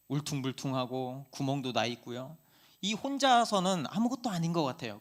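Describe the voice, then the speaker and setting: Middle-aged male pastor, conversational sermon delivery, lively rhetorical questions, mid-range voice. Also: mid-range voice.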